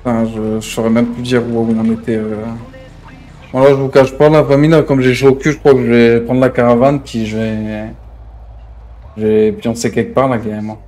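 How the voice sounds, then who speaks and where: This brisk, warm, mid-range male voice keeps a fairly level intonation. Streaming an online roleplay game, he riffs in loose slang, curses often, and keeps circling back to his favorite verbal tics.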